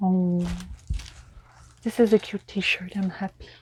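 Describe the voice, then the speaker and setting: Speaking at a fairly slow pace with a non-native accent, a woman uses ordinary pitch variation, and the sound is dry and close with no echo. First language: not English. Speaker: unboxing youtuber. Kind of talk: unboxing video. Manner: animated.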